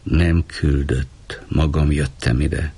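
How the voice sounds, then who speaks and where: A man's voice: rumbling low, fairly even intonation, dark tone, slightly rough, heavily acted. A man reading an audiobook, voicing a blunt, defiant young Jewish man from Rome with terse replies. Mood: curt.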